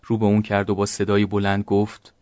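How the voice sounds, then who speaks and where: Flat-voiced male narrator. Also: lowish voice, no room sound. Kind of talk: scripted narration.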